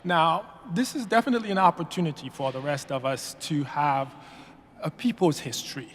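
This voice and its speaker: A man from Haiti giving public comment at a meeting, halting and full of fillers and restarts. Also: fairly high pitch, a little hiss or hum. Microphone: podium mic. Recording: long reverb of a meeting hall.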